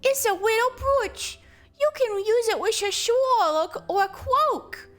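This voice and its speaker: A woman's voice: very high voice, unhurried, a bit bright, faint music behind, voice pushed up. A woman voicing a mother who fears her own young daughter, brooding anxiously and speaking carefully. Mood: gentle. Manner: anxious, brooding inner monologue. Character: frightened, guilt-ridden mother of a strange child.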